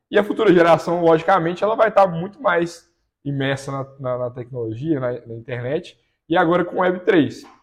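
A man speaks with a high pitch and lively intonation at a moderate pace. The background is quiet. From Brazil, Minas Gerais (Belo Horizonte). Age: 20s. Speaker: commercial astronaut and engineer. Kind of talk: interview. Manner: halting, frequent repetitions.

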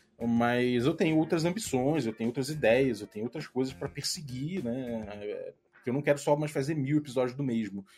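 A man with a medium-pitched voice talks while music plays in the background. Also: ordinary pitch variation, moderate pace. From Rio de Janeiro, Brazil. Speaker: RPG podcaster and author. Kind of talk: casual chat.

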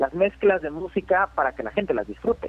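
The speaker has a central Mexican accent. The pace is moderate, with ordinary pitch variation. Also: man. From Mexico, Querétaro. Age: 20s. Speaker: DJ. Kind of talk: casual chat.

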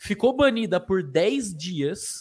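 Pitch swings very widely in this very clean recording, where the background is silent. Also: man. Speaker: streamer. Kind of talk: casual chat.

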